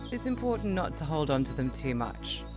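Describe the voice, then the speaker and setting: Over music in the background, a woman talks in a calm, soothing tone. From Britain. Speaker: painter and astrophotographer. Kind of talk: relaxing painting tutorial narration. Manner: calm, soothing, gentle.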